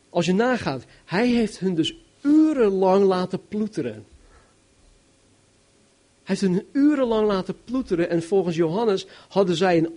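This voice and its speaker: Animated Dutch-speaking male preacher. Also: high-pitched. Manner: animated, emphatic, varies loudness widely. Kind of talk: sermon, Bible exposition.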